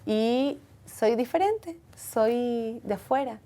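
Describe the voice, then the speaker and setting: A woman's voice: fairly high pitch, takes it slowly, dark tone. A woman speaking earnestly and reflectively as a guest in a personal interview. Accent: foreign accent when speaking Hebrew. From from outside Israel.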